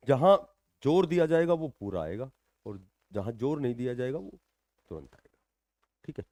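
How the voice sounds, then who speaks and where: Slow, dry-voiced male coaching teacher. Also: mid-range voice, mellow, no echo. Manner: slow, drawn-out dictation with repeated checks. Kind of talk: exam coaching lesson.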